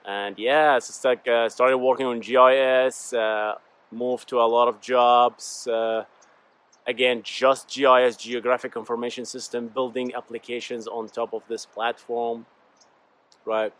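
A man's voice: medium pitch, flat delivery, measured pace, fairly bright tone. A man in his thirties from Bahrain, a native Arabic speaker with an Arabic accent, talking casually and in a rambling, informal way as a solo podcast host. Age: 30s. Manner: informal, rambling, addresses listeners as "guys". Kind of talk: casual solo talk, personal storytelling.

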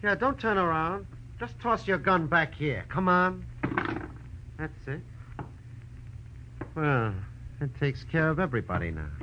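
Small-time crook: American, higher register, whiny and shifty, slangy; 1940s radio thriller, muffled recording. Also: male voice, very animated, a little slow, pauses often, a little hiss or hum. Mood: smug, menacing. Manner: whining, slangy gangster talk. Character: shifty, whining little male crook, paroled. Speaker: radio drama actor. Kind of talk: 1940s radio crime acting. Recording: dull old radio recording.

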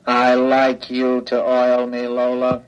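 A man playing a slow droning robot. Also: medium pitch, soft background music, natural voice. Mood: insistent. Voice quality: flat, mechanical monotone. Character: slow obedient male robot, flat monotone. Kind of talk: 1940s radio acting. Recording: dull old radio recording with faint hiss.

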